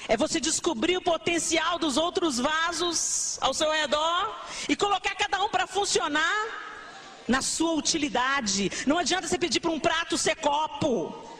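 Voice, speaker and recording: A Brazilian woman preacher delivering a lively sermon to a congregation, with a broadcast church-service feel. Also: very high voice, moderate pace, a little hiss or hum. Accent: Brazilian Portuguese. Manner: animated, acts out complaining believers in mock voices.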